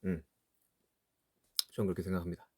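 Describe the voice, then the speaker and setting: A man around thirty chatting casually to viewers on a livestream, musing aloud and trailing off with soft laughs. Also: low voice, flat delivery, brisk, husky, no echo, clean studio sound. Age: 30s. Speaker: livestream host reading chat.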